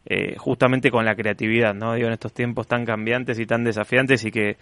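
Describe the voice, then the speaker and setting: A man with a middle-pitched voice answers as a podcast guest. He speaks in a measured, reflective way. The recording is dry and close. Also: fairly even intonation, a bit bright, no echo. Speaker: founder, guest. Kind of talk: conversational podcast interview.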